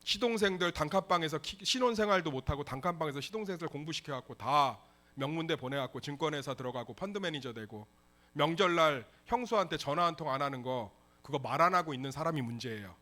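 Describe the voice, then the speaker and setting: A male pastor delivers a lively sermon, often slipping into dramatized dialogue. His voice sits high and bright. He swings widely in pitch as he preaches. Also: fast talker. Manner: animated, acts out dialogues in voices.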